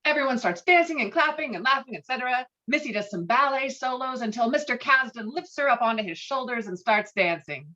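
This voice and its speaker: Lively woman narrator on dull call audio. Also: a little high, fairly quick, hardly any pauses. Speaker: stage-direction narrator. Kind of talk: scripted narration for a table read.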